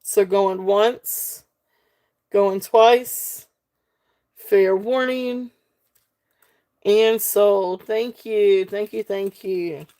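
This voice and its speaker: A middle-aged woman with a Southern US accent hosting a live jewelry sale, chatty and folksy, with frequent ums and soft laughs. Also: medium pitch, fairly even intonation, very slow, pauses often. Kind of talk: casual live-stream selling.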